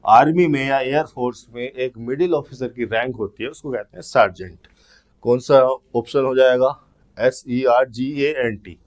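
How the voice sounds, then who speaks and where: A man with as his teaching English grammar in an exam-prep lesson, explaining step by step and reading the English questions out slowly. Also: medium pitch.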